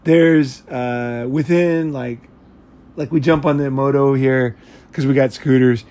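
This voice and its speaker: A man's voice: mid-range voice, steady tone, slow pace, a little mellow. An American man chatting casually in a rambling, blunt way, with frequent swearing. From United States. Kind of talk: casual chat.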